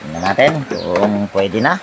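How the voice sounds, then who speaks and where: Male repair tech, low voice, muttering through a hands-on tutorial; noisy outdoor recording. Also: animated, unhurried, vocal fry. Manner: talks to himself while working, thinking aloud. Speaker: appliance repair technician. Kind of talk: casual step-by-step repair tutorial. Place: outdoor home service job with roosters and birds nearby.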